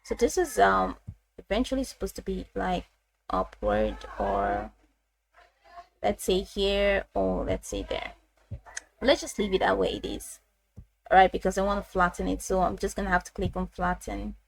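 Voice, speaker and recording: A woman presenting a casual step-by-step software tutorial, talking haltingly and repeating her phrases as she explains. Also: mid-range voice, wildly swooping pitch, gravelly.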